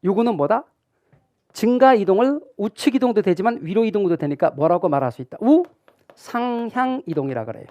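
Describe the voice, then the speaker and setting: Quick and expressive, a middle-aged man lectures on the real estate exam in a mellow voice that sits high. He voices hypothetical student questions and responds to them on his own. There is no audible room sound.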